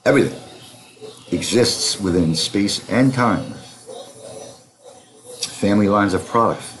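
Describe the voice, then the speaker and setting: A middle-aged man with a New York accent teaching a software tutorial, wandering into chatty asides and repeating himself. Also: lowish voice, takes it slowly, poor audio. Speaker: software instructor. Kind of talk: screen-recorded software tutorial.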